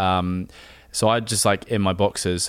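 A man speaks with a London accent. The recording is very clean, with a silent background. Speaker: personal trainer. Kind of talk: casual chat.

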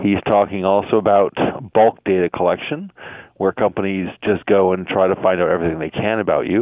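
Talking at a fairly quick pace with a Canadian accent, a man has a plain, everyday voice in a fairly low pitch.

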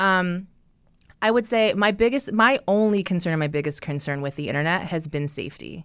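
A plain, everyday voice with an American accent speaks at a fairly quick pace with lively intonation, on a very clean recording with a silent background. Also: woman, fairly low pitch for a woman. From Michigan, US Midwest. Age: 30s. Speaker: singer-songwriter and YouTuber. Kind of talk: casual interview chat.

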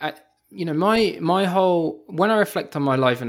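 Lively intonation and a fairly quick pace mark this British accent, captured in a very clean recording with a silent background. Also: man. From London, England. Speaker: psychology professor and author. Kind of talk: interview conversation. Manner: halting, with many fillers.

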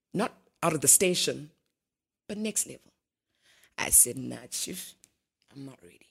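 Speaking at a moderate pace with long, frequent pauses, a woman with a very deep, low pitch and vocal fry shows very wide pitch swings and big swings in loudness. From Mpumalanga, South Africa. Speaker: radio presenter. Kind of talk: casual interview chat.

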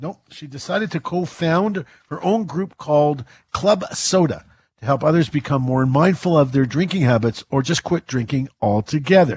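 A man with a Canadian accent speaks at a moderate pace and a fairly high pitch, somewhat breathy. His intonation is lively, and the sound is dry and close with no echo. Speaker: radio host. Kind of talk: live radio talk show hosting and interviewing. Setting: radio studio. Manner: conversational, joking, with fillers.

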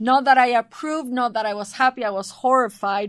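Fairly even intonation marks this speaker with an Argentine accent, heard on a very clean recording with a silent background. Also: woman. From Argentina. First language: Spanish. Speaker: host's mother. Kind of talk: casual chat. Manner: laughs often.

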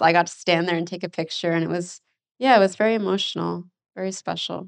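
Over a quiet background, a woman with an unremarkable speaking voice talks at a fairly quick pace, her fairly low pitch carrying fairly even intonation. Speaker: podcast host, former corporate lawyer. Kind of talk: interview conversation.

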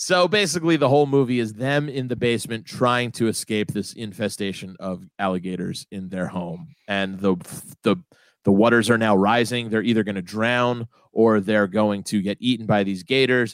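Recorded very cleanly with a silent background, a man has an unremarkable speaking voice at a medium pitch. He speaks at a moderate pace with ordinary pitch variation. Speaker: podcast co-host. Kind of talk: casual comedic banter.

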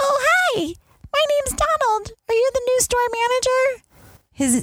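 The speaker uses a put-on character voice. It sits at an extremely high pitch. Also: fairly slow pace.

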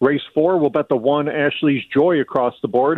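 An ordinary speaking voice, a man's, fairly high in pitch with ordinary pitch variation and a fairly quick pace. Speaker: horse racing handicapper. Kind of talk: casual chat.

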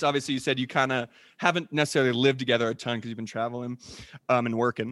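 Here a man talks at a very fast pace. His tone is animated and his pitch is medium. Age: 30s. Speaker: podcast host. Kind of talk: casual chat.

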